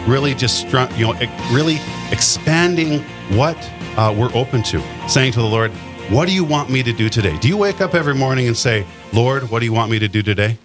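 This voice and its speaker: A man's voice: medium pitch, over music. A man hosting a Catholic radio talk show from the studio in a friendly, conversational way. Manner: friendly, conversational, quick to laugh with guests.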